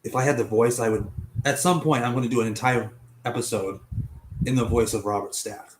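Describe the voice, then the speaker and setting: A man's voice: medium pitch, brisk, slight background noise, rough recording. A young man hosting a casual online mystery show, chatty and a bit profane, stumbling over names, with a cough and a partly lost voice. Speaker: host. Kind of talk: casual web show narration.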